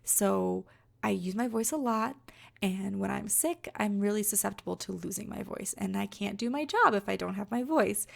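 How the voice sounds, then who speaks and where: A young woman talks in a relaxed, rambling way, full of "like" and "um." Her voice sounds rough from being sick and has a heavy gravelly fry. Her pitch sits in a middle range. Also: moderate pace. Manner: chatty, rambling, many fillers. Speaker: card-making vlogger. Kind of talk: casual crafting voice-over.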